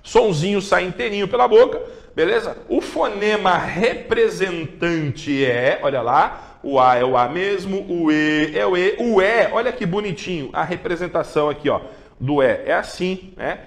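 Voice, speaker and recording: Male tv teacher, high bright voice, playful and coaxing, lots of "ok?" check-ins. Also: measured pace, creaky. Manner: playful, coaxing, with pet names for students; repeats checks like "ok?" and "beleza?". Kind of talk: televised exam-prep lesson.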